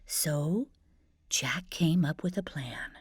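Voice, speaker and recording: A woman's voice: low voice, takes it slowly, slightly rough, no room sound, studio quality. A woman hosting a children's storytime, narrating expressively with playful, chatty asides to young listeners. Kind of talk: expressive fairy-tale narration. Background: music.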